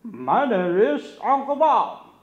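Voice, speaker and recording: A man voicing a friendly uncle puppet who speaks only slow, simple English in a children's puppet show. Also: very high voice, very animated, exaggerated voice. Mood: puzzled. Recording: echoey, dull lo-fi room.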